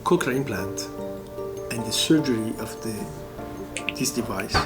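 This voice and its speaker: A man in his fifties from Iran, a surgeon explaining medical technology in a documentary interview, speaking carefully and pausing to restart his phrasing. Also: medium pitch. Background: loud background music.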